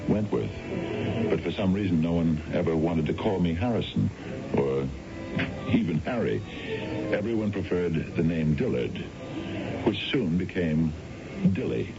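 An actor playing a suave, courtly financial adviser in a radio drama, with polished, formal phrasing and hesitant pauses. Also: male voice, animated, heavily acted. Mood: delighted. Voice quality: very deep, gravelly voice. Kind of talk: 1970s radio drama acting. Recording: dull vintage radio, music behind.

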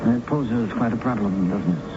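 An actor playing a courteous, measured and mildly wry angel in a 1970s radio drama. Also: male voice, medium pitch, creaky, background noise, close to an everyday voice. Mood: wry, puzzled. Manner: polite, measured. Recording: muffled 1970s radio broadcast with music.

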